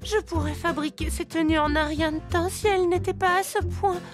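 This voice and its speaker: Cartoon seamstress girl, high-pitched, dramatic, easily flustered, eager, music behind. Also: fairly even intonation, a little fast. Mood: frustrated, then excited. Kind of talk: French-dubbed children's cartoon acting.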